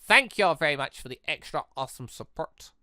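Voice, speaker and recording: A gaming video host giving casual, rambling playthrough commentary in an animated way, often repeating words. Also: mid-range voice, fast talker, no room sound, clean studio sound.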